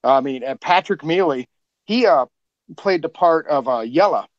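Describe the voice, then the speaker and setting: A man's voice: a little high, animated, normal speed, no echo, muffled recording. A man on a podcast talking casually about a production, rambling and full of fillers as he praises the cast. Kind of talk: casual behind-the-scenes chat.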